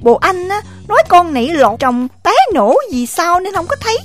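A female performer with a Southern Vietnamese accent rattles off shrill, rapid scolding as an enraged, jealous village wife in an audio drama. Her intonation is lively, and faint music plays behind her.

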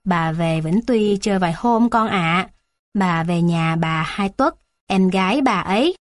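A woman's voice: lowish voice, lively intonation, a little slow, dry recording. A woman voicing an old grandmother who is remorseful and then hurt and reproachful, pleading with her son. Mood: soothing.

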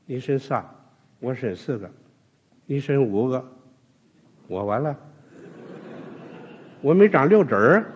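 A man's voice: medium pitch, big pitch swings, takes it slowly, long pauses, dull audio, slight background noise. A man telling a traditional comic story, switching between voices for the characters.

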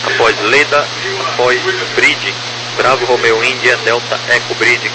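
Over a noisy, crackly radio like a military channel comes a Brazilian man's voice, medium in pitch and very even. He is an air traffic controller, reading out clipped procedural clearances in set phraseology. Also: a little slow. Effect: aviation radio.

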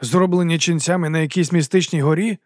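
A man's voice: fairly high pitch, fairly even intonation, a little fast, darkish tone, no echo, clean studio sound, voice pushed up, natural voice. A man voicing an earnest, naive young constable in an audiobook.

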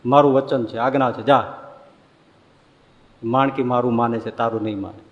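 A man voicing a calm, resolute spiritual master who gives firm commands. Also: medium pitch, moderate pace, in a large hall, highs cut off, natural voice. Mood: commanding.

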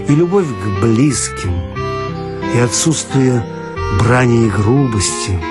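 A man reading a humorous story aloud as the narrator, with an ironic, storytelling manner. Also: medium pitch. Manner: ironic storyteller, lively rises and drops. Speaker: reader.

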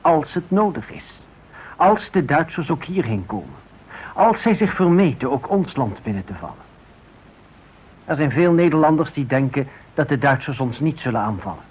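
Male narrator, husky, solemn and deliberate; wartime radio play, slightly muffled sound. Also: on the high side, very animated. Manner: deliberate, dramatic short phrases. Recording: dull radio recording.

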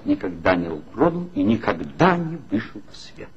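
An actor playing a bitter, ironic former magazine writer in a 1960s radio play, speaking in a measured, wry way. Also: male voice, on the low side, sing-song, husky, heavily acted. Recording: dull old 1960s radio recording with faint hiss.

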